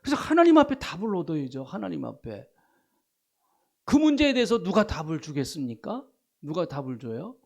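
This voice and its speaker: A man, a senior pastor preaching a sermon in church, who speaks emphatically, repeats key phrases and drops to quiet asides. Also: on the high side, sing-song, a little fast, gravelly.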